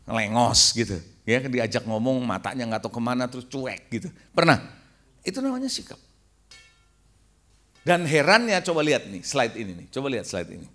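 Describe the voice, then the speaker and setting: A middle-aged male pastor giving a lively youth sermon, quizzing the crowd with questions and acting out quoted replies. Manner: acts out quoted replies in a higher voice.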